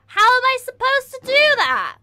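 High, bright excitable woman streamer. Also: moderate pace, slight background noise. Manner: excitable, yelps and laughs often. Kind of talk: live gaming commentary.

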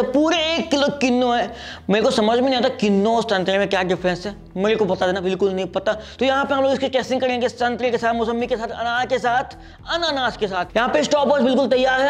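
A young man chatting casually while he reviews and demonstrates a hand-press juicer in a small studio, speaking into a lapel mic. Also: extremely high pitch. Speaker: product reviewer. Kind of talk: casual product review vlog. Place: small indoor studio set with striped backdrop.

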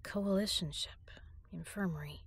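A young woman performing an intimate audio drama as a frightened prisoner, speaking softly and often in a whisper. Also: fairly low pitch, moderate pace, dry recording. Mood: tender. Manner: soft, breathy, often whispered.

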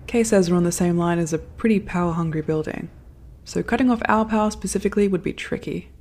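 An actress playing a reflective, anxious woman recording a log in an audio drama, speaking in a measured, literate way. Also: on the low side, a little mellow. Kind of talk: audio drama monologue and dialogue.

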